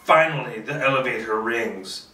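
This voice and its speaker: A man doing a screenplay table read with casual asides, halting as he thinks aloud. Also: mid-range voice, pushed and bright. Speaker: script reader, filmmaker. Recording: roomy, distant microphone.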